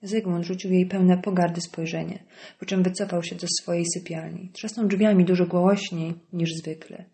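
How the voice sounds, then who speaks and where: Calm woman narrating an audiobook. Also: on the low side, normal speed.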